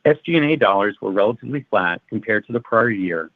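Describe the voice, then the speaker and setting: A man's voice: lowish voice, animated, fast talker, dry recording. A male finance executive reading prepared financial results in a formal, methodical way. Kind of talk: prepared financial results presentation, read aloud. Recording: narrow-band phone conference line.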